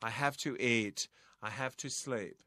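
A man teaching English on a radio show, explaining grammar in lively mixed Thai and English. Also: mid-range voice, extremely slow, dry recording. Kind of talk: bilingual radio English lesson. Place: radio studio.

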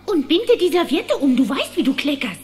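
A woman's voice: high voice, sing-song, fairly quick, a little mellow, faint music behind. An actress playing a fussy, motherly woodworm wife who scolds in a children's audio play. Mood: nagging.

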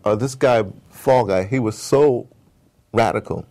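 A middle-aged man being interviewed, telling stories in a casual, animated way, repeating words and wandering off point. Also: fairly low pitch, unhurried. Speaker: interviewed audio drama producer. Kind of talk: casual, digressive interview talk. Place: at his home base in New York.

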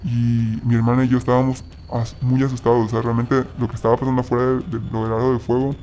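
A man telling a personal story in a halting way, often restarting his sentences. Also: mid-range voice, little pitch movement, dark tone, a little hiss or hum. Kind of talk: personal story told casually.

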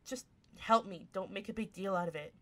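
A woman's voice: mid-range voice, a little fast, a bit bright, close to an everyday voice. A voice actress playing a grumpy tsundere young woman turned half cat, snappy, sarcastic and easily flustered, in a one-sided ASMR roleplay. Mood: embarrassed, teasing. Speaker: voice actor.

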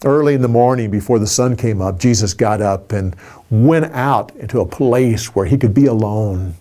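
A man in his sixties telling a Bible story from memory in a studio, animated and expressive, with small restarts. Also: lowish voice, normal speed. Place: indoor studio with a curtain backdrop.

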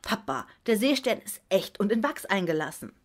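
Female actor as principled young adult daughter, earnest, medium-pitched, natural audio drama delivery. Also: lively intonation, moderate pace, natural voice. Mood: indignant. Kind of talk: naturalistic German radio drama acting.

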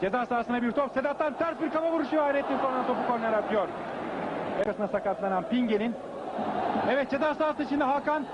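Man, live football commentary, excited raised voice, quick urgent phrases, very noisy outdoor match sound. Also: very high voice, muffled recording. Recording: noisy old match broadcast with outdoor ambience.

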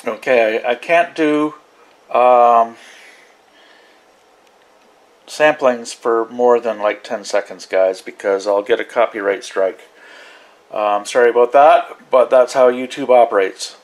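Male hobby vlogger, casual and unhurried, loosely thinking aloud, slow delivery. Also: medium pitch. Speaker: radio hobbyist demonstrating receivers. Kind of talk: casual vlog demonstration. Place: small indoor radio desk.

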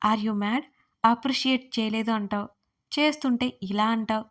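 A young husband who teases his wife and then flares into sharp scolding, read by a woman narrator. The voice sits a little high for a man, and it comes across as a storybook character rather than a full act. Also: normal speed, close to an everyday voice. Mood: teasing. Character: adult male husband, teasing but quick-tempered. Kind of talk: audio story reading.

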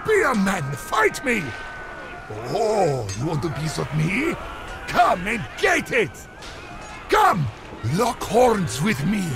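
Grizzled, battle-crazed warrior for a fantasy war game. Gritty, bombastic, swinging wildly in pitch, with drawn-out delivery. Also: male voice, wildly swooping pitch, gravelly, full character voice. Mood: taunting. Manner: bombastic, taunting, theatrical war cries. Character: grizzled, fierce, battle-crazed male desert-empire soldier. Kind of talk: shouted video game battle barks. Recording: game music behind.

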